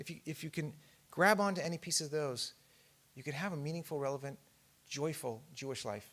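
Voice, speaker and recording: Fairly high in pitch, this man's voice stands out. He speaks at a fairly quick pace. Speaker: guest speaker. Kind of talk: talk to synagogue audience. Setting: synagogue hall with audience. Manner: fast; animated.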